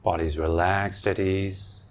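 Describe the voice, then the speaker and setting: A man leading a guided meditation as a teacher, giving calm, gentle instructions in short phrases with long pauses. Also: low-pitched. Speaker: meditation teacher and podcast host.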